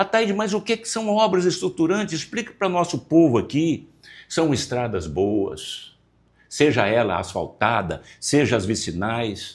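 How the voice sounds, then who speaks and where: A fairly high-pitched man with vocal fry, very wide pitch swings, and a fairly slow pace. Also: very clean recording, silent background. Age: 60s. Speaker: politician. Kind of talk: interview. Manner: animated.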